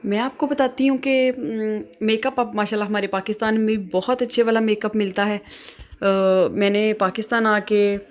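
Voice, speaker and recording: A young woman from Pakistan with a Pakistani Urdu accent, chatting casually in a home vlog with many filler pauses. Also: mid-range voice, steady tone. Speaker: vlogger.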